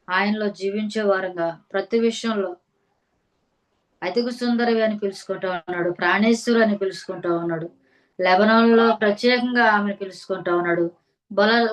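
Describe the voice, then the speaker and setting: Woman preaching in slow, rhythmic phrases. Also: medium pitch, low-quality recording. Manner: asks the listeners pointed questions. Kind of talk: sermon reading and explaining scripture.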